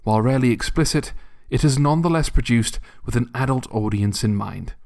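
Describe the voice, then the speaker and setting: A man reading a scripted podcast introduction as host, in a measured, polite manner. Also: mid-range voice, gravelly, very noisy. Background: guitar music.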